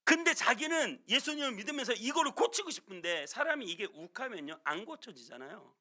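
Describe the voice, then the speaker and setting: A male pastor preaching a sermon, telling a story with lively delivery and acting out the people he quotes. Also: very high-pitched, fairly quick. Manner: animated storytelling, acts out quotes. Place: church sanctuary.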